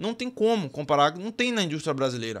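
A man speaks fairly quickly with very wide pitch swings. The background is quiet. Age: 20s. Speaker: YouTuber. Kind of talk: casual vlog commentary. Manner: animated. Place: home room.

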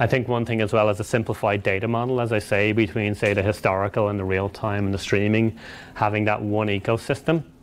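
A man with a Dublin accent talks very fast in a fairly low, monotone voice with flat intonation. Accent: Irish (Dublin). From Ireland. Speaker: software engineer; speaker. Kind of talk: lecture. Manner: loud.

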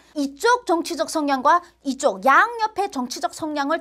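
High-pitched and bright with a sharp tone, a woman speaks at a fairly slow pace with very wide pitch swings. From North Korea. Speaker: YouTuber, North Korean defector. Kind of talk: casual film review monologue.

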